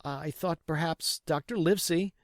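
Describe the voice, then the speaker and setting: An earnest boy, acted by a male narrator, polite and deferential to his elders. The pitch sits high and the delivery is gently hesitant, in audiobook style. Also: normal speed, dry recording, clean studio sound, close to an everyday voice. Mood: earnest, respectful. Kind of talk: audiobook character voice.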